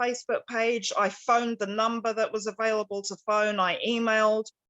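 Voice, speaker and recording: Speaking at a fairly quick pace, a woman with a British accent has a fairly high pitch. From UK. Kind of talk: casual chat.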